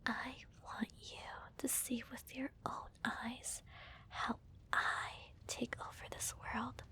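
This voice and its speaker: A smug villainess acted out by a woman whispers her gloating monologue in an ASMR roleplay. She draws each phrase out slowly and teasingly, in a breathy, fairly high feminine voice with a theatrical air. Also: level tone, bright, forceful tone, full character voice. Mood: menacing, teasing. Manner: slow, deliberate, teasing, theatrical.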